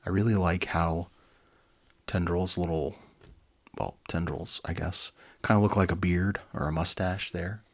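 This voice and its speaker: Deep, husky man reading a storybook. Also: steady tone, measured pace. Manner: easygoing, informal. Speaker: storybook reader and presenter. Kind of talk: dramatic reading with casual asides.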